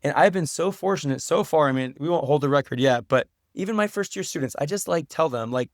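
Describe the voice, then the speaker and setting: Earnest man with a slightly high voice, dry sound. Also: animated, fast talker, no echo. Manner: earnest, thoughtful. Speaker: podcast guest, writer and teacher. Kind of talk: reflective interview conversation.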